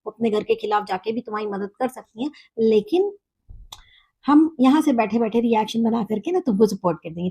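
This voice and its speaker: A woman's voice: on the high side, warm tone, breathy edge. A young woman hosting a reaction video, mocking and scolding the people she reacts to and dropping in English phrases. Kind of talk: sarcastic reaction commentary.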